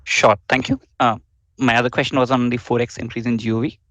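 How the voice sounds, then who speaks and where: A man's voice: medium pitch, level tone, fast talker, a bit bright, no room sound. A man with an Indian accent asking questions as an analyst on an earnings call, polite and formal.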